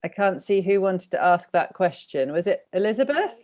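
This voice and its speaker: A woman's voice: mid-range voice, lively intonation, moderate pace, a little mellow. A British woman moderating an online panel discussion, talking informally in hesitant, rambling phrases. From Britain. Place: online video conference.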